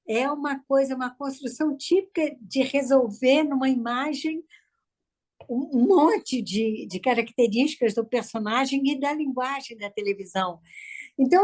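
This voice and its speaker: Higher-voiced Brazilian woman, reflective conversation. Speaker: participant questioning and commenting to guests.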